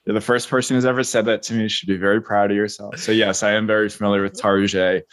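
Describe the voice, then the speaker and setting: Low-voiced young man, dry deadpan humor. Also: quick pace. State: a little tired. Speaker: guest, online nutrition coach. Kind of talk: casual interview chat.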